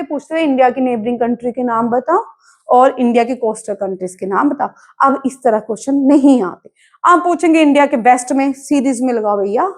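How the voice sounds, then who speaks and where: Woman, teacher, bright and high, asks a question then answers it, drilling class. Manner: mixes English terms into Hindi. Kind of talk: exam-prep current affairs lesson.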